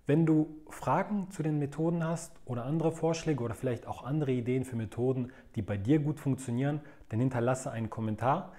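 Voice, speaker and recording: A man's voice: medium pitch, fairly quick, few pauses, warm tone. A man teaching in a video lesson, laying out methods step by step in a methodical, explanatory way. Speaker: language learning coach.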